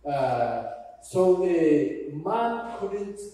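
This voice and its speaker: A man with an Ethiopian accent preaches in a slow, halting way, pausing often and repeating his key phrases. His voice is dark and mellow and sits a little high for a man. It rings through an echoey church from a mic set back at a distance. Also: very animated. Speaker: guest pastor. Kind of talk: sermon. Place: church sanctuary.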